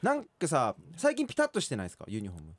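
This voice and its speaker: A man co-hosting a radio show with a husky voice, talking very fast. His pitch moves around a lot. He is easygoing in the banter. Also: huge pitch swings, no room sound. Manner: easygoing, quick back-and-forth. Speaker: radio co-host. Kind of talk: casual studio chat.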